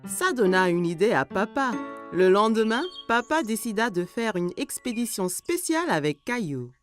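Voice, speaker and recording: A woman narrating a children's cartoon story in an expressive, scripted storytelling style. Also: medium pitch, normal speed, faint music behind, lightly acted.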